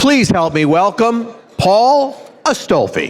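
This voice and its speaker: A man speaks in an extremely high pitch. Noticeable background noise and audible room echo surround him. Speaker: TV host and emcee. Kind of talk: emcee announcements. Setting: gala stage with audience.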